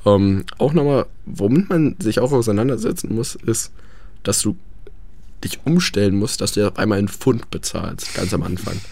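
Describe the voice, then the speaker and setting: A man's voice: lowish voice, animated, normal speed, creaky, darkish tone. A young man chatting about life abroad, hesitant with many fillers. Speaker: guest. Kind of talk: casual radio chat.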